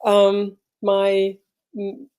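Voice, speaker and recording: A middle-aged woman speaks as a podcast guest, her voice warm and mellow at an ordinary pitch. She tells her story in a reflective, halting way, pausing and circling back as she hunts for the right words. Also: monotone, clean tone. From Switzerland. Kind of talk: personal storytelling in an interview.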